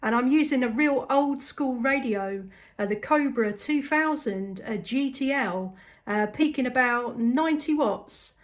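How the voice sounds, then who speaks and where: With a fairly high-pitched voice and a measured pace, this southern English woman from the southeast of England chats on a casual amateur radio contact, sounding appreciative.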